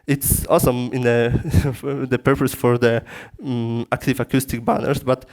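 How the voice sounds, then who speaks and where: A man with a Polish accent giving a technical lecture in a conference room through a PA system, in halting English with frequent restarts. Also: medium pitch, little pitch movement, darkish tone. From Poland. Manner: halting non-native phrasing with frequent restarts.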